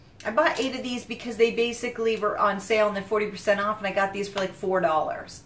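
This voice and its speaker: Speaking at a very fast pace, a woman keeps her intonation fairly even. Audible room echo and noticeable background noise are heard. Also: hardly any pauses. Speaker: beauty vlogger. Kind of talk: product review vlog.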